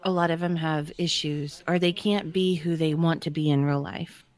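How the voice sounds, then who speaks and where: A woman co-hosting a casual discussion, explaining her point in a measured, conversational way. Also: low-pitched, fairly even intonation, a little mellow.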